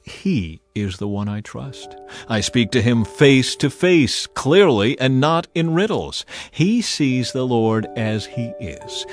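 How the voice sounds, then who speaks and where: A man voicing a stern, wrathful God with a measured, authoritative delivery in a dramatized scripture reading. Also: mid-range voice. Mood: stern, reproving. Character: God, stern, commanding, wrathful male deity.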